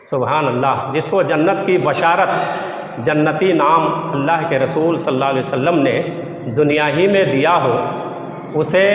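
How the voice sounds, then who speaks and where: A man's voice: a little high, a little hiss or hum. A man preaching a Muslim sermon in formal, Arabic-laced phrasing, explaining emphatically and with much repetition. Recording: very echoey, long reverb.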